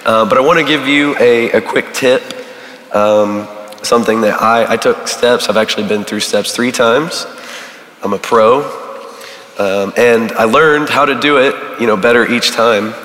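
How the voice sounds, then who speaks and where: A man teaches a church recovery group in a casual, halting way, full of ums and uhs, his voice going hoarse. His voice rings through a large hall with a long, roomy reverb. He sits at an ordinary middle pitch. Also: fairly bright tone. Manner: casual, halting, many fillers. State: losing his voice.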